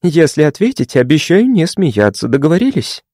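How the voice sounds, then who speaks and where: A man's voice: on the high side, very animated, a little fast, mellow, no room sound, studio quality, pitched above the performer's own voice. A man voicing a polite, curious young woman psychiatrist who asks careful questions.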